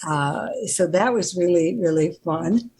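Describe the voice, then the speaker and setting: A woman's voice: fairly low pitch, measured pace, slightly rough. Older New woman, chatty storyteller. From New York. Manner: chatty, animated storyteller who laughs often. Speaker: guest actor. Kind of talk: radio interview chat.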